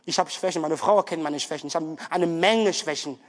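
A man's voice: on the high side, fairly quick. A man giving an earnest, pleading sermon testimony in a church hall, often restarting his words.

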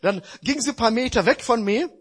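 A man's voice: extremely high pitch, animated, brisk, slightly rough. A man preaching a sermon, speaking emphatically and addressing the congregation directly.

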